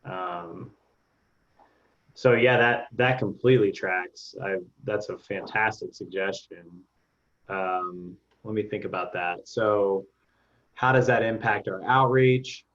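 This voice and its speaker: Man, lowish voice, meeting chair, halting and filler-heavy, muffled lo-fi audio. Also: fairly even intonation, a bit bright. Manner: halting, many restarts and fillers. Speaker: board member leading the meeting. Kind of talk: casual meeting discussion.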